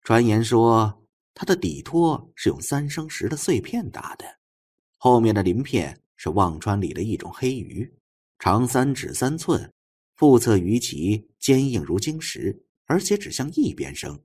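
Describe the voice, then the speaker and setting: A man's voice: medium pitch, big pitch swings, unhurried, a little mellow, husky, full character voice. A man voicing an earnest, knowledgeable female investigator in an audiobook, explaining things with emphatic care. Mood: earnest, explanatory.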